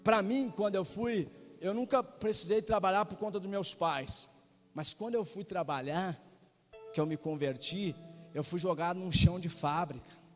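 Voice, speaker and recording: A man's voice: sits high, moderate pace. A man in his forties with a Brazilian Portuguese accent, preaching a sermon and telling personal stories with passion, acting out quoted voices. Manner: impassioned, acts out quoted voices. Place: church sanctuary. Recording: reverberant church hall with faint music.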